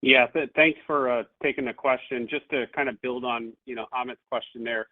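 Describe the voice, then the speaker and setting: Analyst guy calling in with a question, halting, thinking out loud, tinny phone sound. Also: mid-range voice, steady tone. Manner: tentative, halting, thinking aloud. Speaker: financial analyst caller. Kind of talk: spontaneous question on an earnings call. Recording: narrow tinny phone line.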